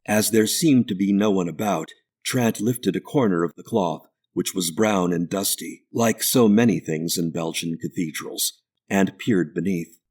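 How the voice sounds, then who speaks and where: Deep, husky male narrator. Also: measured pace, darkish tone. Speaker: audiobook narrator. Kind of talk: scripted narration of a ghost story.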